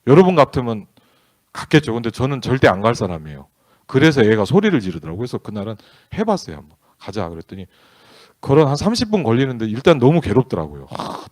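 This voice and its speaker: A man's voice: mid-range voice, very animated, fast, darkish tone, no echo. A male pastor preaching in a candid, conversational storytelling way, acting out bits of dialogue as he tells a family story. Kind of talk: storytelling sermon.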